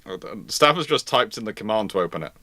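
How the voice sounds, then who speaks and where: A man answers viewer questions as a live commentary host. His voice is fairly low yet bright and forceful, recorded very dry. He halts, repeats and reworks phrases while thinking aloud. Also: expressive, fast, no echo. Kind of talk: live Q&A naval history commentary.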